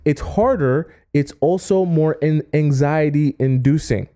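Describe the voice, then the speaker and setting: A man giving dating advice on a livestream, stressing key points with deliberate pauses and reading viewer chat aloud. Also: fairly high pitch, mellow. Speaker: dating coach.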